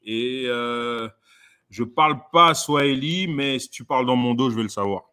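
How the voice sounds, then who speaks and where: A man's voice: medium pitch, normal speed, bright, forceful tone, clean tone. A man, a comedian guest, talking casually with frequent fillers and restarts. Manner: hesitant, many fillers and restarts, laughs often. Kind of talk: casual conversation.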